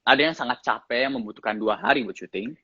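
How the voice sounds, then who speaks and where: A man with a slight English accent in his Indonesian, an actor chatting casually in an interview, relaxed and often laughing. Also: mid-range voice, fast talker, highs cut off, a loud crowd. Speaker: actor guest.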